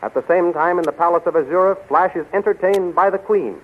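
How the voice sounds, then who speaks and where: A man's voice: sits high, fast, phone-quality sound. A man narrating a 1930s radio adventure serial in an urgent, declamatory style. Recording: scratchy, thin 1930s radio recording.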